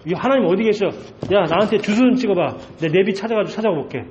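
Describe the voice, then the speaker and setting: A man's voice: sits high, expressive, moderate pace, dull audio, slight background noise, voice pushed up. A man voicing a sneering, arrogant king who taunts and mocks his slaves. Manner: taunting, scornful.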